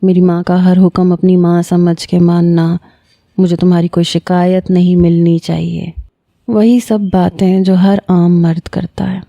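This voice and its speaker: A woman narrating a first-person romantic story in a steady, measured, reflective way. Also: lowish voice, gravelly, no room sound, highs cut off.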